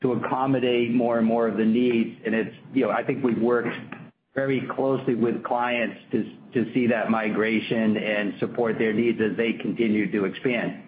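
Guy exec on earnings call, halting answers, tinny phone w/ faint noise. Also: medium pitch, steady tone. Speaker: company executive. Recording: tinny, noisy conference phone line.

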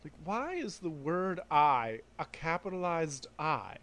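Casual storytelling and frequent laughs come from a young adult woman co-hosting a podcast. Her voice sits low with a sing-song lilt, and she speaks slowly over slight background noise.

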